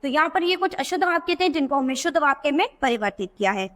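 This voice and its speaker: A classroom spelling lesson, voiced over for a video book, is led by a woman whose fairly bright voice sits high and sounds animated. She works through corrections by asking and then answering her own questions, with careful, word-by-word examples.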